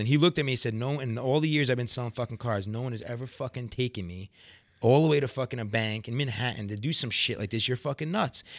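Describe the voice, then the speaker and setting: A man speaks very fast at a medium pitch with an American accent. His intonation is lively, and the recording is very clean with a silent background. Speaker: entrepreneur and social media influencer. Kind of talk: casual interview chat.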